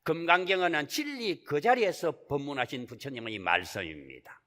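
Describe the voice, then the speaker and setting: A man's voice: on the high side, big pitch swings, moderate pace, a bit bright. A man, a Buddhist monk, giving a Sunday Dharma talk with rhetorical questions and folksy asides. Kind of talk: sermon. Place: temple hall. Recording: reverberant temple hall.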